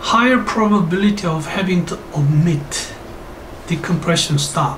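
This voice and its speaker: A man talks at a fairly slow pace with ordinary pitch variation. Noticeable background noise runs under the recording. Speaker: diving medicine lecturer. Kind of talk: lecture. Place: home room.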